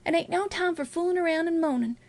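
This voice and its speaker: A woman's voice: very high voice, fast, darkish tone, no room sound, pitched above the performer's own voice. A woman voicing a scared but resourceful country boy, urgent and speaking rustic American dialect.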